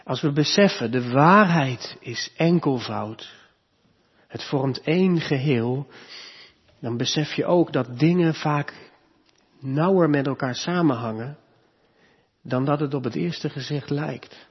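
A man preaching a sermon as pastor, with emphatic delivery that rises and grows louder on key points, recorded in a church. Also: a little high, unhurried, long pauses, husky, big-room sound, muffled recording.

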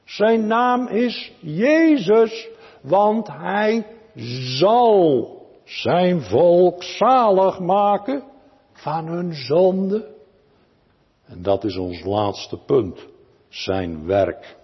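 A man preaches to his congregation with a husky, high voice. He pleads slowly and draws his lines out, his pitch climbing and falling widely. The sound is a dull recording with a long church echo. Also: sing-song. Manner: pleading, swells and drops dramatically. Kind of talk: Reformed sermon.

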